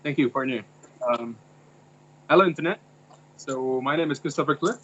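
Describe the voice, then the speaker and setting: Searching for words as he goes, a young man from Indonesia, a university student, joins a casual discussion with some hesitation. He speaks at a moderate pace in a medium-pitched, fairly bright voice, captured with dull lo-fi sound.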